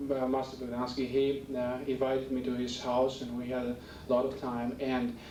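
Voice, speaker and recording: The speech runs at a moderate pace amid noticeable background noise and audible room echo. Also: man. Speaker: martial artist. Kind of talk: speech at a dinner. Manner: halting, many fillers.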